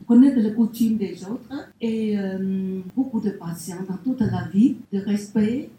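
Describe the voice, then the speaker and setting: A woman's voice: mid-range voice, slow, dark tone. An older woman, not a native French speaker, asking from the audience, hesitant and searching for words. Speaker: audience member. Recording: echoey hall, distant mic, faint noise.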